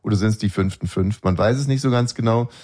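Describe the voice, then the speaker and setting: A man's voice: fairly low pitch, fast talker, a little mellow. A man co-hosting a podcast and radio show, bantering casually in a rambling, ironic way with many filler sounds. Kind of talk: casual banter between co-hosts.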